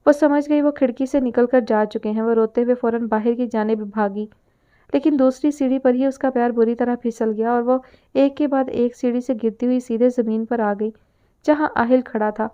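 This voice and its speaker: Woman narrating a novel, smooth voice. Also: fairly high pitch. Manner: steady storytelling read. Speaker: audiobook narrator. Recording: narrow phone-like sound.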